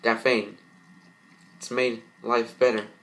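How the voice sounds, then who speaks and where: A man's voice: mid-range voice, little pitch movement, takes it slowly, a bit bright. A man voicing an evil, possessive mirror monster from a cartoon fan story, coaxing and menacing.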